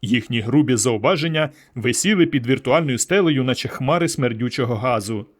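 Male audiobook narrator, steady storytelling delivery, mid-pitched voice. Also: brisk. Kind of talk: audiobook reading.

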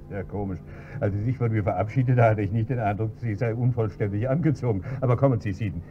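An actor playing a wealthy, courteous husband who talks in a fussy, slightly hesitant way, on a dull, faintly hissy radio-play recording. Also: male voice, on the low side, quick pace, lightly acted. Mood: genial. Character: wealthy, genteel, trusting older husband. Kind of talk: 1970s-style German radio play acting.

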